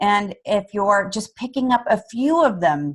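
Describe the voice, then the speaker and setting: A woman is talking here. Her voice is somewhat breathy, with lively intonation. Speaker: life coach. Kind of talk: live webinar talk. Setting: live video webinar. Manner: animated.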